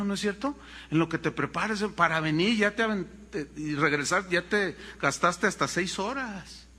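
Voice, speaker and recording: Brief: Mexican man, pastor, lively sermon storyteller, high bright voice. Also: long reverb tail. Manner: animated storytelling, addresses congregation as brothers.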